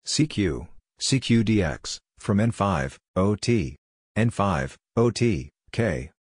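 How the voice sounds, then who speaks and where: Low voiced guy reading ham radio lines real slow, dry close sound. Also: animated, a little mellow, breathy edge, dry recording. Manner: measured, clipped reading of radio jargon. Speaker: Morse code practice instructor.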